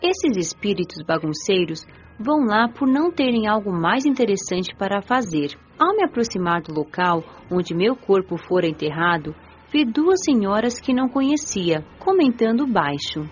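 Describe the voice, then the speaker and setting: A woman playing a gentle, devout young spirit who recounts the afterlife in measured, reflective radio drama narration. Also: mid-range voice, big pitch swings, muffled recording, close to an everyday voice. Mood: reflective, serene. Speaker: narrator and lead of an audio drama. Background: music.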